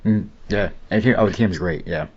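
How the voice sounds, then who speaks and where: Deep, muffled male co-host. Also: fast, darkish tone, slightly rough. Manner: agreeable, repeats himself. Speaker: podcast co-host. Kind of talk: casual chat. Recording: dull lo-fi mic, faint noise.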